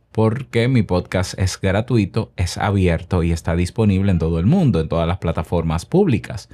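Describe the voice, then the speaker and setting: Male podcast host from the Republic, slightly low voice, chatty solo monologue that pitches his own products. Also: warm tone. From Dominican Republic. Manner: chatty and self-promoting, with rhetorical questions.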